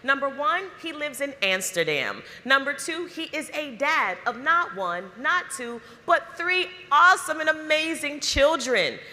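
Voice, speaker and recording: A woman's voice: high voice, very animated, a little slow, hardly any pauses, bright, forceful tone. Upbeat woman emceeing in a big hall. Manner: upbeat, hypes the crowd with questions. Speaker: event emcee. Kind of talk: live stage hosting. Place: large conference hall. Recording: hall reverb.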